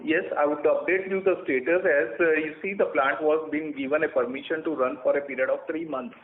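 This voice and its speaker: Male Indian-accented company executive, slightly high voice, explanatory and halting, on a thin echoey phone line. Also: steady tone. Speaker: company executive answering analysts' questions. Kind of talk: earnings call question and answer. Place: conference call over a phone line.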